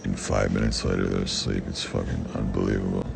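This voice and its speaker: A young man with a very deep, raspy voice, answering fan questions in blunt, profane casual talk. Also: level tone, brisk. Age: young adult. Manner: blunt and profane, with frequent swearing. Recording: background noise.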